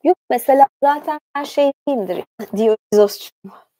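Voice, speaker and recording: A woman whose voice sits high yet has a dark tone hosts a livestream where she reads about mythology. She goes along informally, pausing often for conversational side comments.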